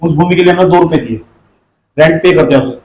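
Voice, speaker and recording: A male teacher giving a classroom lecture, quizzing his students and scolding them to keep quiet. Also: a little high, quick pace. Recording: echoey classroom.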